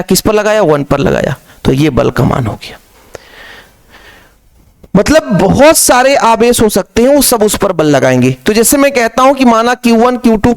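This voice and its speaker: A man teaching physics to his pupils, repeating key phrases and asking questions that he then answers himself. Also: high voice. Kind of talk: classroom lecture.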